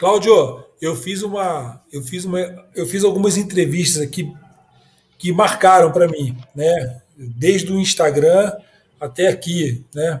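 A man speaks at a high pitch and a very slow pace. His pitch variation is ordinary. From Rio de Janeiro suburbs, Brazil. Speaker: football talk show host, former goalkeeper. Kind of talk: casual chat.

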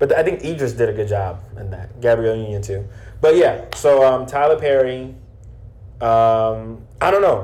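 A somewhat breathy man's voice at a medium pitch, dark and mellow in tone. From Chicago. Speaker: podcast co-host. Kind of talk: casual chat. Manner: animated, laughs a lot.

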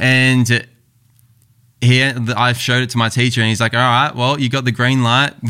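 In an Australian accent, a man with a medium pitch and a bright, sharp tone speaks at a moderate pace on a very clean recording with a silent background. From Australia, Melbourne. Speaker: filmmaker and YouTuber. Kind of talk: casual chat.

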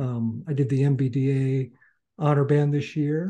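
Somewhat breathy, this man's voice has a dark, mellow tone and a fairly high pitch. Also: quiet background. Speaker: founder and university band director. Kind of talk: casual interview chat. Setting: video call.

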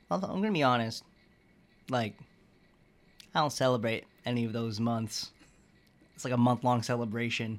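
A man with an American accent speaks at a moderate pace and a medium pitch, with ordinary pitch variation and long, frequent pauses. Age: 20s. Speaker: podcast co-host. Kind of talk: casual chat. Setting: home studio.

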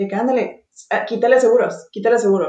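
Fairly high in pitch, a woman's voice carries a dark, mellow tone. She talks at a fairly quick pace with ordinary pitch variation. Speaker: podcast guest, feminist podcaster. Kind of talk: casual discussion.

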